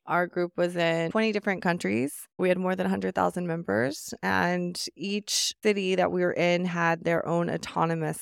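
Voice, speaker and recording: A woman in her thirties, an interviewee reflecting on her past in a calm, measured, storytelling way. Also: lowish voice, vocal fry, smooth, no echo, studio quality. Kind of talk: casual interview.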